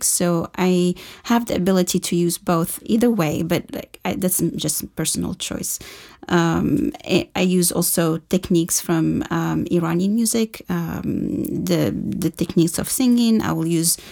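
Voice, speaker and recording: A woman from Morocco speaks as a guest singer in an interview. Her voice sits a little low and carries plenty of gravel. She reflects earnestly and searches for her words. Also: dark tone. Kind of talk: interview answers.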